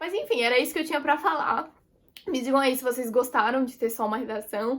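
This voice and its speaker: Fairly quick in pace, a woman talks with a high pitch. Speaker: youtuber, pre-med exam candidate. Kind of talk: casual vlog monologue. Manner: halting.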